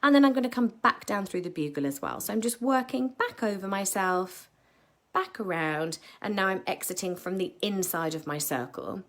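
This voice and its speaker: A woman with a croaky voice teaching a live beading tutorial, chatty and full of ums and self-corrections, with a British English accent. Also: mid-range voice, expressive, normal speed, fairly bright tone.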